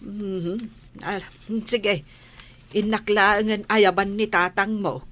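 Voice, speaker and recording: An actress playing a gentle, concerned mother of a grown son in an Ilocano radio drama. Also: mid-range voice, steady tone, takes it slowly.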